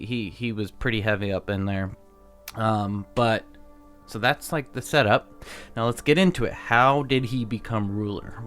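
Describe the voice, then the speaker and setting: A young man co-hosting a casual podcast, reading facts from his notes with stumbles and laughing at his own pronunciations. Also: mid-range voice. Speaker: podcast co-host. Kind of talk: casual storytelling chat.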